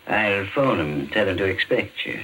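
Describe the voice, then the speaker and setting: An actor playing a courteous, sinister pawnshop owner who speaks formally and deliberately in old-time radio horror style. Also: male voice, low-pitched, animated, a bit bright, breathy edge, heavily acted. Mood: suave, courteous. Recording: hissy, noisy old-time radio recording.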